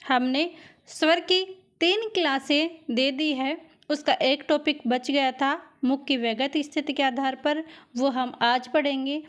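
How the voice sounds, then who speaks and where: A woman's voice: sits high, measured pace. A woman teacher giving a grammar lesson for exam students, patiently repeating each question and then answering it herself. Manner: patient, drills vowel sounds aloud.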